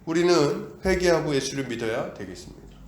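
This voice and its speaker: In a reverberant church, a male pastor preaches emphatically in a fairly high, lively voice at a brisk clip. He fires rhetorical questions at the congregation and acts out the voices of doubters and of God.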